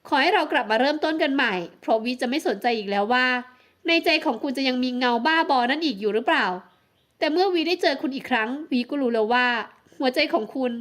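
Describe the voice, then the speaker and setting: A woman plays a jealous, heartbroken young woman in an audiobook romance, her voice a touch high and emotional. She pleads and accuses in a tearful, intimate delivery. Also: lively intonation, quick pace, fairly bright tone. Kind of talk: audiobook romance novel acting.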